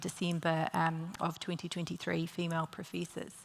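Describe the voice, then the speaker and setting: Speaking with a New Zealand accent, a woman keeps her pitch fairly low. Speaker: university gender equality lead. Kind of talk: conference panel talk. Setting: conference with audience.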